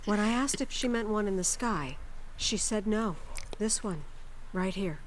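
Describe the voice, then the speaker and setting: A woman's voice: mid-range voice, lively intonation, measured pace, a little hiss or hum, lightly acted. Woman acting a wistful widowed foster mother. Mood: reflective, tender. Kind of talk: reflective video game cutscene narration.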